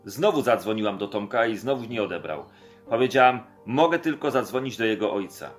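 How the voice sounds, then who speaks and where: A man's voice: on the low side, lively intonation, brisk, faint music behind. A man reading an audiobook chapter aloud, voicing the quoted dialogue expressively in his own voice. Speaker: audiobook narrator. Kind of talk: scripted audiobook narration.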